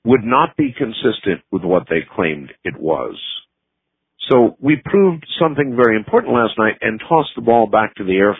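A man hosting a late-night radio call-in show, speaking with a smooth radio host delivery as he reads letters aloud and takes calls. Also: medium pitch, no echo. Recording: narrow phone-like radio broadcast, dry.

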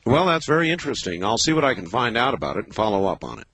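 A man of fifty hosting a late-night call-in radio show, talking in a thoughtful, measured way with many pauses and fillers. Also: medium pitch, sing-song, a bit bright, husky. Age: 50s. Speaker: radio talk show host.

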